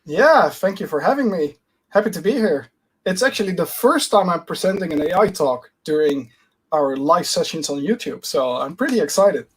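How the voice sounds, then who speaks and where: Man, slightly high voice. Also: animated, moderate pace, husky, poor audio. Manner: hesitant, many fillers and restarts. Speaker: guest speaker. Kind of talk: conference talk, casual.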